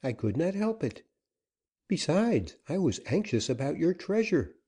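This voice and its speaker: A man's voice: a little high, very animated, a little slow, warm tone, slightly rough, voice pushed up, full character voice. A man voicing an anxious young woman in a storybook reading, pleading and breathless.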